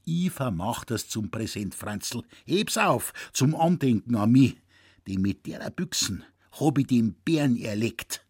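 A man's voice: mid-range voice, measured pace, slightly rough, no echo, studio quality. A man voicing an older, stooped Bavarian hunter in a raised, quavering voice, complaining about his back and gushing with thanks. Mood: earnest. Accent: Bavarian dialect. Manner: complaining, then effusive and excited. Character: stooped old Bavarian hunter, frail and lamenting.

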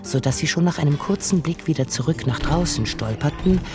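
Measured radio-play narrator, over music. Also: male voice, on the high side, expressive. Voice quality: measured, literary. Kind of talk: scripted literary narration.

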